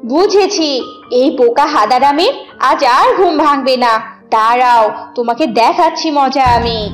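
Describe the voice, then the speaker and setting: A woman's voice: sits high, normal speed, echoey room, soft background music, natural voice. A woman voicing a bossy, scolding fox wife and scheming thief in a cartoon, with a nagging, commanding manner. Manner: nagging, commanding, sharp-tongued. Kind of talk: cartoon character dialogue.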